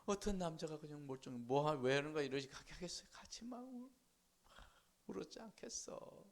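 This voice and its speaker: Gravelly, animated Korean pastor preaching. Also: male voice, fairly high pitch, a little fast. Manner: animated preaching, asks the congregation for responses, acts out voices. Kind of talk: sermon. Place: church.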